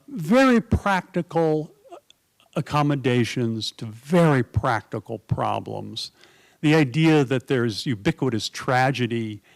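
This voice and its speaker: A man on a symposium panel telling stories from his travels in a frank, conversational way, with fillers. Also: medium pitch. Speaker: panel speaker. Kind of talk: storytelling talk. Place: university symposium hall.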